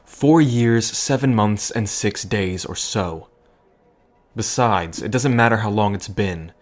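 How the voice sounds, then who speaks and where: An actor in an audio drama playing a guarded, pragmatic worrier, earnest and defensive, sometimes halting. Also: male voice, fairly low pitch. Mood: defensive, pained. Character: guarded, worrying man, pragmatic, once heartbroken.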